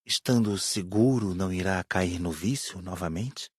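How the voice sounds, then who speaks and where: A man playing an earnest student spirit who is concerned for others, reading in a measured way for an audiobook. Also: sits low, breathy edge, no echo, studio quality.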